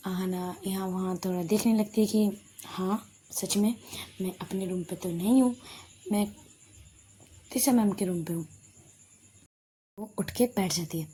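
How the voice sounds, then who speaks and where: A woman's voice: mid-range voice, unhurried, pauses often, dark tone, a little hiss or hum. A woman narrating an audio love story in a loose, chatty way, often restarting and correcting herself.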